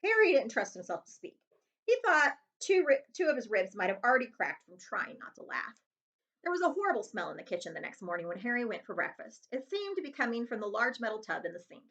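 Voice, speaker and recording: A woman reads a children's chapter book aloud. Her voice sits fairly high and swings widely in pitch as she tells the story. The recording is a little dull and lo-fi, like a homemade read-aloud. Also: very animated, fairly quick, fairly bright tone. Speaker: librarian reading aloud.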